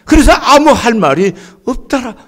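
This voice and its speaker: A middle-aged man from Gangwon Province preaching a sermon as pastor, swinging between soaring and hushed delivery. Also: very high voice, sing-song, moderate pace. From Gangwon Province, Korea.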